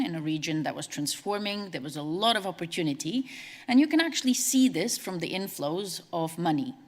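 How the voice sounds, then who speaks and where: Woman speaking in a hall. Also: on the low side. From Latvia. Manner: brisk, conversational, with asides. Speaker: conference speaker, CEO. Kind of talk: conference presentation. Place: large conference hall. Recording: long hall reverb.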